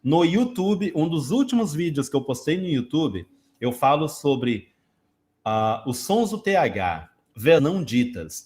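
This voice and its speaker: Brazilian guy doing a laid-back live q&a, teacherly, explains stuff with examples, mid pitch. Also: darkish tone. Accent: Brazilian Portuguese. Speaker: English teacher hosting a live Q&A. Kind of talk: casual live-stream Q&A.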